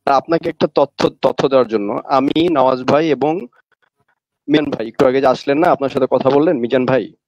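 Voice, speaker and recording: Sex: man. Role: caller. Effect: choppy online call audio that keeps cutting out. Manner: halting, drawn-out words. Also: mid-range voice, a little mellow, dry recording, lo-fi sound. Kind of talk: casual call-in talk. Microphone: device on an online call.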